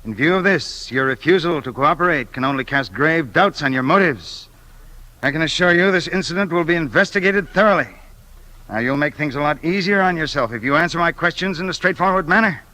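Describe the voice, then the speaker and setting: A pompous politician, high bright voice, lawyerly, insistent, old radio play. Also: male voice, animated, fairly quick, low-quality recording. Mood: stern. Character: pompous male politician, stubborn and suspicious. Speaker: the Investigator. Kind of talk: 1950s radio play acting.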